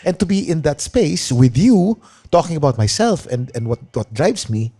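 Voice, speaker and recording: A man's voice: on the high side, very animated, moderate pace, mellow, husky. A man with a Filipino accent hosting a podcast, giving appreciative replies and switching between Tagalog and English. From Philippines. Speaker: podcast host. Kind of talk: casual podcast interview.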